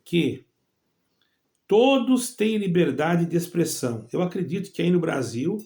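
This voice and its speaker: A middle-aged man who grew up between Brazil and Portugal, hosting his own evangelical channel and speaking directly to fellow believers in a halting way, with many pauses and restarts. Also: a little high, expressive, gravelly, dark tone.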